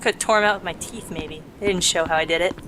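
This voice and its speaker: A woman's voice: lowish voice, fairly even intonation, fast talker, background noise. A woman doing casual let's play commentary, with dry, self-deprecating humour. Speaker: game player and commentator.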